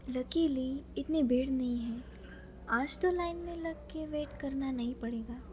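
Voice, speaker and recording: A woman playing a chatty, dreamy young librarian who is easily flustered, musing softly to herself in an audio romance drama. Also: sits high, a little slow, a little hiss or hum. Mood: dreamy, content.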